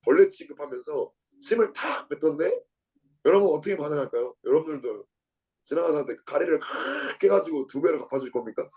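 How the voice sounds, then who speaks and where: A man's voice: sing-song, quick pace, breathy edge, rough recording. A man teaching a Bible lesson, reading a book aloud and adding commentary, repeating key words and asking his listeners questions, with sudden bursts when he acts out the quotes. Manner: dramatizes quotes with sudden shifts in pitch and loudness. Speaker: Bible study lecturer.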